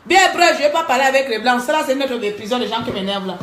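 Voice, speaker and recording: A woman talking to her viewers in a live-stream monologue, animated, scolding and joking by turns. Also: fairly high pitch, quick pace, slight background noise. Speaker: livestreamer. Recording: echoey room.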